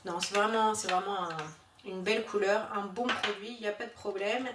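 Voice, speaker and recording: Chatty woman vlogger, casual and halting, recorded a bit far off in an echoey room with faint hiss. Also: medium pitch, steady tone. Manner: chatty, hesitant with many fillers. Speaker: beauty vlogger. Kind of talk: casual haul video chat.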